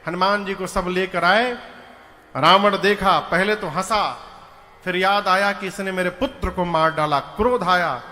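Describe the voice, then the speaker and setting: A man telling a devotional story as a religious storyteller, with animated, dramatic narration. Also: high-pitched, normal speed. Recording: reverberant hall with instrumental music.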